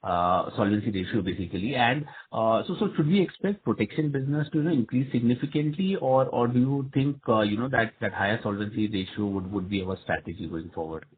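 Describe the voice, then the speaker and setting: A man's voice: fairly low pitch, brisk, few pauses, slightly rough. A man with an Indian accent, an analyst, politely and hesitantly puts questions on a conference call. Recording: tinny phone-like line.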